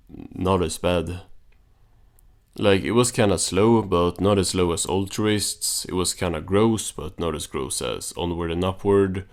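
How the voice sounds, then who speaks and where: Man, low-pitched voice, casual reviewer, offhand and understated delivery, recap narration.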